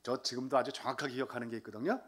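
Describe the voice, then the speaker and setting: A man's voice: medium pitch, rapid-fire. A man in his sixties from Seoul giving a humorous church testimony, telling the story with life and acting out the voices of others. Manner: lively storyteller, acts out quoted voices. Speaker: lay deacon giving testimony. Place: church service.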